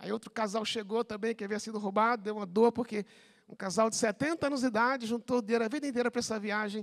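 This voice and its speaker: In a very clean recording with a silent background and a dry, close sound with no echo, a man with a non-native accent and a high pitch talks at a very fast pace. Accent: foreign accent in Brazil, noticeable. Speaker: pastor. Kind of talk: sermon. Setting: church.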